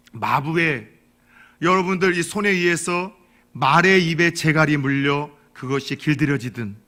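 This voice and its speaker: Male pastor, sermon delivery, bright forceful tone, slightly high pitch, earnest with folksy asides. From Korea. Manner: earnest preaching with folksy humor.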